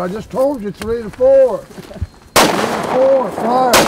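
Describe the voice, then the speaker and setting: Shouting at a very slow pace, a man with an extremely high pitch is heard over noticeable background noise. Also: dry sound with no echo. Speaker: handgun expert and concealed carry instructor. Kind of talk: classroom lecture and range commands. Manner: shouting, drill-instructor style.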